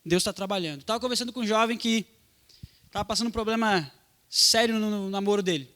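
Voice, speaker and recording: A man's voice: sits high, fast, fairly bright tone. A young adult man, a pastor preaching a sermon in a casual, slangy way aimed at young people.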